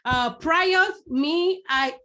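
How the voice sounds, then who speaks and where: Nigerian woman coaching with a high voice. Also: drawn-out words, bright, forceful tone. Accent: Nigerian Yoruba. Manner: repeats words for emphasis, addresses the audience directly. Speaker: public speaking coach. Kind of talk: live online masterclass.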